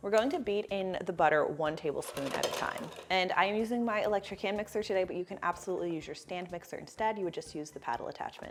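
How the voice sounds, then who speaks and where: Against noticeable background noise, a woman at a medium pitch rattles along at a very fast pace with hardly any pauses. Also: ordinary pitch variation. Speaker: baking channel host. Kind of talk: cooking tutorial. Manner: casual, friendly.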